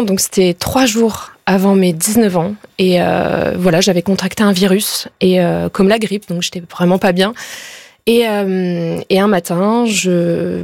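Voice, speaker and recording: A woman's voice: medium pitch, a little mellow, no echo, clean studio sound. A young woman from northern France, a radio guest telling her story with hesitant speech and many fillers. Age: young adult. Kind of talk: personal testimony. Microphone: studio microphone.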